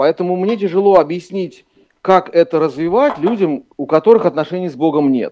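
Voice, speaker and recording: In a dry, close recording with no echo, a man with a high pitch and a dark, mellow tone talks at a moderate pace with ordinary pitch variation. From former Soviet Union (Ukraine or Russia). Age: 40s. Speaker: theologian. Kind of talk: phone interview.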